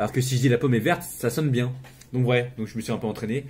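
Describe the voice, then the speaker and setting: The speaker is a man with a somewhat breathy voice. His tone comes across dark and mellow. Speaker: youtuber and literature student. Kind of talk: casual podcast monologue. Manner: stammers at times.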